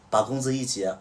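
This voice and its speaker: A man's voice: mid-range voice, far from the mic, heavy background noise. A man hosting a livestream, casually telling a story and acting out what each person said. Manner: recounts events through reported dialogue. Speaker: livestream host.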